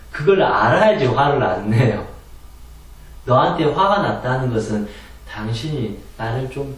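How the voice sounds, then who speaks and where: A man gives a spoken lecture on meditation and calming anger, explaining earnestly and posing rhetorical questions about letting go. His pitch moves a lot as he explains. A distant mic picks him up in a very echoey room.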